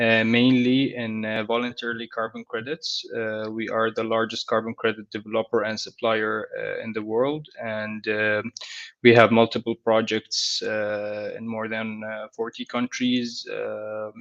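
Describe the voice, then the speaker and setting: A man with a medium pitch speaks at a fairly slow pace with hardly any pauses. His intonation is monotone and flat, and the sound is dry and close with no echo. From Jordan. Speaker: carbon credit sales manager. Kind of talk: panel discussion. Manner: halting, many fillers.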